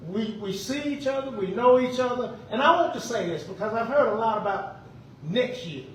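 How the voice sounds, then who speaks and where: A man in an extremely high pitch with lively intonation at a moderate pace, amid noticeable background noise and audible room echo. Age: 70s. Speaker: community activist. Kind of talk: town hall audience comment. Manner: halting, repeats words; impassioned, preacherly.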